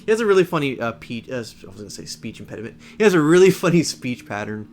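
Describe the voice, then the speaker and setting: A man hosting casual game commentary, speaking haltingly and often repeating words. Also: medium pitch, very animated, a little hiss or hum. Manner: halting, repeats words, chuckles through remarks. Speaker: gameplay video host.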